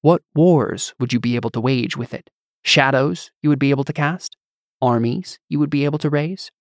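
Guy doing a languid vain goddess for a fantasy audiobook, raised pitch, coaxing and condescending, super dry. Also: moderate pace, no room sound, natural voice. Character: sultry, scheming, languid goddess, vain wife. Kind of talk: audiobook character acting.

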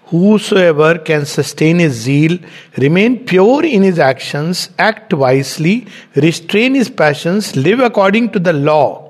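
Man, middle-aged, spiritual lecture, measured explanatory delivery, slightly high voice. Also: expressive. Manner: measured, explanatory, slows down to read quotes. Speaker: spiritual teacher giving a talk. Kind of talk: reflective lecture with read-out quotes and commentary.

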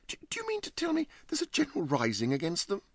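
A man voicing a flustered, stammering gentleman who grows more and more panicked. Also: wildly swooping pitch, quick pace, slightly rough, dry recording, exaggerated voice. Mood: indignant. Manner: stammering, high and agitated. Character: flustered, stammering middle-aged gentleman host.

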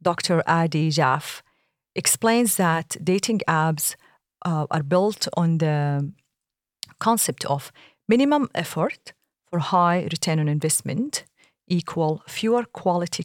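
Animated Saudi-born woman podcast co-host. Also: no echo, studio quality. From Saudi Arabia. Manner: animated storyteller, laughs often, lively pitch jumps. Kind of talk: casual podcast conversation.

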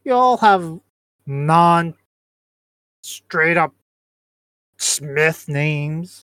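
A man's voice: fairly high pitch, expressive, drawn-out words, fairly bright tone, smooth, dry recording. A man chatting casually on a podcast with friends, rambling through stories with restarts and jokes. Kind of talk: casual chat.

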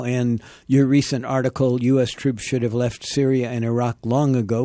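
A male podcast host introducing and interviewing a guest, speaking haltingly with many fillers. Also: mid-range voice, dark tone, no room sound, clean studio sound.

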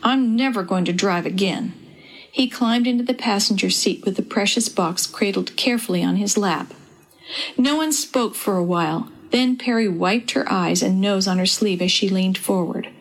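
A woman narrating a dramatized children's story in an even, warm storytelling manner. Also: medium pitch, moderate pace, poor audio.

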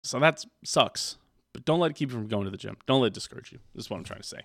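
A man's voice: medium pitch, expressive, rapid-fire, vocal fry, fairly bright tone, no room sound, studio quality. A man co-hosting a podcast, talking candidly and encouragingly, rambling with frequent restarts. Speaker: podcast co-host.

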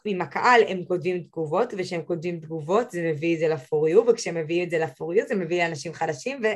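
Animated young woman giving eager advice. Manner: animated and emphatic, rising high when giving advice. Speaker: podcast guest, social media expert. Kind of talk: casual podcast conversation.

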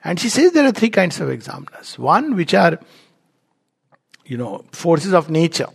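A man with a North Indian accent speaks as a spiritual teacher. His voice sits fairly high and has some creak in it. He talks emphatically, like a storyteller, slipping into little acted-out dialogues as he explains. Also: sing-song, moderate pace. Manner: emphatic, storytelling, chuckles at own remarks.

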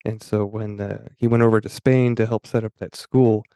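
A man hosting a podcast, talking in a halting, casual way and often stopping to restart his sentences. His pitch stays level with little movement, and his voice has a mellow, dark tone. The recording is close and dry. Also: fairly even intonation, clear, resonant tone, no room sound. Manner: halting, many fillers and restarts. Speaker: podcast host. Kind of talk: casual talk reading aloud from an article.

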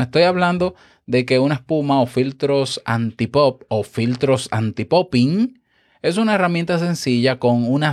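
Male podcast instructor, mid pitch, animated explainer, dead-dry close-mic sound. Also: no room sound. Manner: animated, explanatory, checks in with the listener often. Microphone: close studio microphone with compressor.

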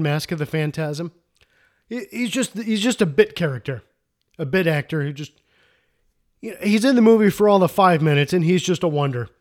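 Male podcast co-host, slightly high voice, chatty and excitable, stumbles and restarts often. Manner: rambling, self-interrupting, enthusiastic. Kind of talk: casual movie recap chat.

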